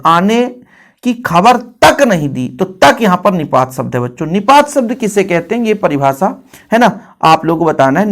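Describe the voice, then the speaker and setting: A man teaching an exam-prep lesson, explaining terms, asking questions and repeating answers for his students. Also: a little high. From India. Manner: explains, quizzes and repeats, addressing students as children.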